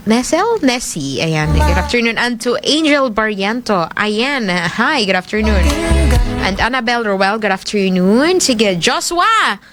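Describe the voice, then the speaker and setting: A woman hosting a call-in radio show, chatty and playful as she reads out listener greetings. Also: fairly high pitch. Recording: music bed playing loudly behind.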